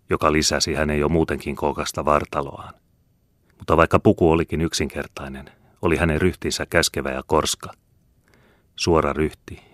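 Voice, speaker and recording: A man narrating a classic novel as an audiobook in a measured, steady storytelling manner, close to a studio mic. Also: very deep voice, no echo. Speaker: audiobook reader.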